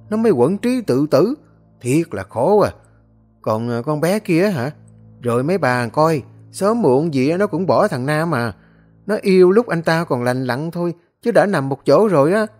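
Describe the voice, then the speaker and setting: A man's voice: fairly high pitch, expressive, moderate pace, a little mellow, soft background music, pitched above the performer's own voice. A man voicing a scornful, gossiping village woman in a storybook tale. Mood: gossipy.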